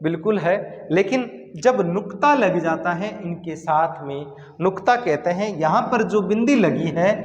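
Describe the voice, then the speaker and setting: A male Hindi grammar teacher giving a lesson, speaking slowly and deliberately and repeating sounds and words for pronunciation practice. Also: high-pitched, animated, dull audio. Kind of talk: classroom-style grammar lesson. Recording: echoey room with long reverb.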